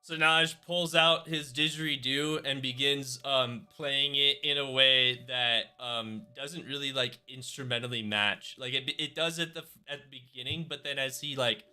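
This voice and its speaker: A man's voice: mid-range voice, measured pace, bright, forceful tone, smooth, faint music behind. A man narrating as dungeon master of a tabletop game, rambling and hesitant with many fillers.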